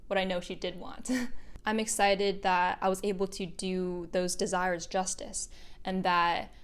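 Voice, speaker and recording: A woman's voice: lowish voice, clear, resonant tone. A young adult woman talking earnestly and upbeat in a reflective, motivational vlog monologue. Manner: earnest and upbeat, often laughing softly. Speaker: video creator.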